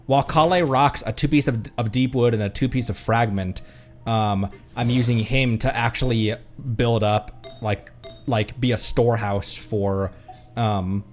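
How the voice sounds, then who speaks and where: A man streaming a video game, chatting casually in a rambling, hesitant way as he thinks aloud. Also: medium pitch. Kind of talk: casual livestream gaming chat. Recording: music in the background. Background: background music.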